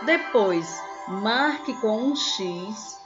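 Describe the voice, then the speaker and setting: A Brazilian woman teaches young children in a slow, patient voice, checking often that they follow. Her voice sits in a middle range. The home recording is dull and lo-fi. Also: medium pitch, expressive, over music. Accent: Brazilian Portuguese. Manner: slow, patient, repeats each step with "certo?". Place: at home, phone nearby.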